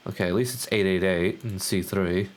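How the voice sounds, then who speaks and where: Low-voiced man muttering over gameplay. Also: moderate pace. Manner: offhand, muttering reactions. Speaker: streamer. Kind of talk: casual gameplay commentary.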